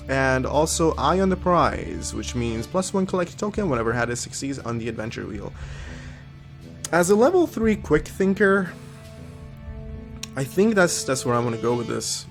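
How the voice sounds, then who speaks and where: A man hosting a let's-play video, a little sniffly from a cold, thinking aloud and reading game text with frequent ums. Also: medium pitch. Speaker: gaming video host. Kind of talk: casual let's-play commentary.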